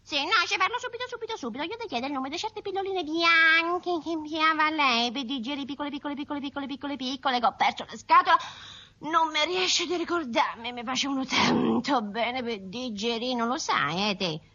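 A woman's voice: fairly high pitch, bright, forceful tone, husky, heavily acted. Woman playing a scolding housewife. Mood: exasperated. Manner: exasperated, scolding, rapid dialect chatter. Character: chatty harried middle-aged housewife on phone. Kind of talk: 1970s-80s radio sketch acting. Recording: dull lo-fi old radio recording.

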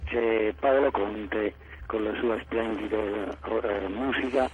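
A man's voice: on the low side, fairly even intonation. A man, a school principal, talking in an earnest, formal way as a radio guest, heard over a landline phone line. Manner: earnest, formal, speaks in measured phrases. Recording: tinny phone line with faint hiss.

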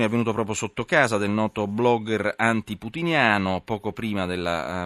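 A man hosting a live radio news interview, speaking in wordy, emphatic phrases with halting turns. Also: sits low, fairly bright tone, dry recording.

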